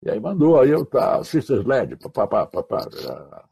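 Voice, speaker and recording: A man from Mato Grosso do Sul in Brazil, a radio announcer guest on an online call, telling slangy anecdotes with lively, acted-out quoted voices. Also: medium pitch, measured pace, vocal fry, breathy edge. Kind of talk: casual storytelling.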